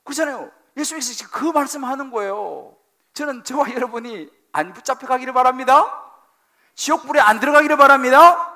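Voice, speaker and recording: A middle-aged male senior pastor giving a sermon in a church sanctuary, preaching with animated emphasis, repeating phrases and putting questions to the congregation. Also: high-pitched, gravelly.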